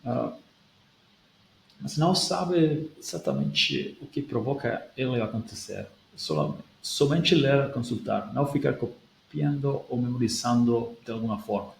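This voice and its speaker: Gravelly-voiced man in an echoey room. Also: medium pitch, lively intonation, measured pace. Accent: non-native speaker of Portuguese, European Portuguese leaning. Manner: thinks aloud with restarts, switches into Portuguese. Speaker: language-learning video host. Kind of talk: casual talk, reading out and answering a viewer comment. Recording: echoey room with faint background noise.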